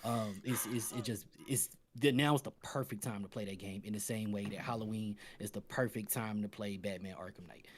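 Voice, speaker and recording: A man talking casually as a gaming livestream panelist, telling stories and making recommendations in an animated, slangy, joking way. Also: on the low side, moderate pace, few pauses, a little hiss or hum.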